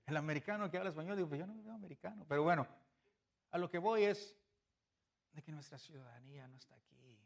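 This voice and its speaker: A man from Mexico with a Mexican Spanish accent, preaching a sermon as pastor, swinging from loud emphatic bursts to soft low asides and chuckling through his stories.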